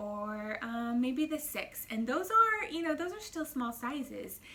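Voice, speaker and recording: The delivery is fairly slow with an animated tone. Noticeable background noise runs underneath. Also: woman. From Germany, moved to US at seven. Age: 30s. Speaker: weight loss vlogger. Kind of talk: casual vlog update. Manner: chatty, animated.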